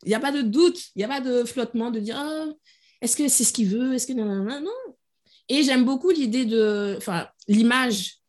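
A woman's voice: a little high, normal speed. A woman hosting a podcast, enthusiastic and chatty about the songs she loves. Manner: enthusiastic, animated, self-described fangirl. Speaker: podcast host. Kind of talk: casual chat.

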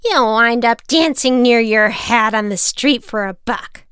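Lady putting on a mean old crone, snappy and bright, super clean dry sound. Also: on the high side, measured pace, clear, resonant tone, dry recording, voice pushed up. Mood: scornful. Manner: scornful, snappish, lecturing. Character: harsh scolding old woman, the Shears.

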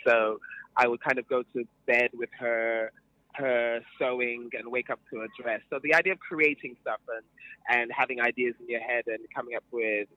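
A man's voice: mid-range voice, pushed and bright, no echo, highs cut off. A man with a transatlantic accent chats casually as an interview guest, playfully self-assured and full of anecdote. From born in New York, grew up across Europe and Sierra Leone. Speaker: celebrity wardrobe stylist, interview guest.

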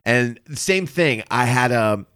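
A man's voice: mid-range voice, lively intonation, takes it slowly, a bit bright, clear, resonant tone, dry recording, studio quality. Foul-mouthed casual male podcast host. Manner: swears freely, storytelling. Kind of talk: casual chat.

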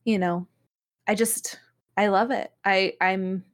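A woman's voice: mid-range voice, fairly even intonation, takes it slowly. A woman on a podcast panel chatting casually and gushingly, often correcting herself as she goes. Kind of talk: casual chat.

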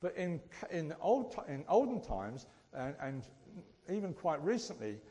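A man's voice: a little high, sing-song, unhurried, mellow. A man with a Suffolk English accent gives an informal teaching sermon, conversational and often checking in with his listeners with questions. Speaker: preacher. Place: large echoing hall, speaking to a group. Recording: reverberant hall.

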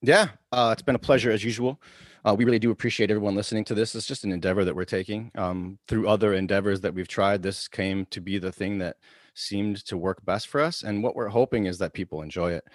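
A man co-hosting a podcast, chatting casually and telling stories in an animated way with many restarts. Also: lowish voice, quick pace, no echo, studio quality. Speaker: podcast co-host. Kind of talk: casual chat, storytelling.

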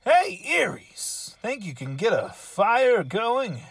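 A man playing an excitable, self-important comedy podcast host with a theatrical, giggly manner. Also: high-pitched, slow, vocal fry, breathy edge, no echo, heavily acted. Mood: excited, flustered. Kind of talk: scripted comedy hosting in character.

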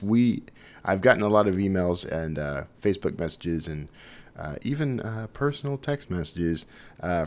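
A man hosting a podcast in a chatty, informal, rambling way, often hesitating and digressing. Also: deep voice. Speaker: podcast host. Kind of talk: casual, rambling podcast introduction.

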